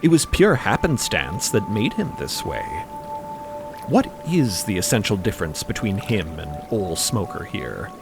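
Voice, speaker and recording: A man narrating scripted fiction in a musing way, with deliberate, pausing phrases. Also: fairly low pitch, big pitch swings, creaky, over music.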